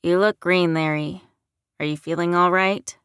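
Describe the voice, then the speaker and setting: A woman's voice: lowish voice, fairly even intonation, a little slow, fairly bright tone, clear, resonant tone, no room sound, clean studio sound. Woman acting a tired, earnest man. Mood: concerned. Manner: sympathetic, earnest, mildly annoyed. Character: tired, concerned man defending himself to an accuser.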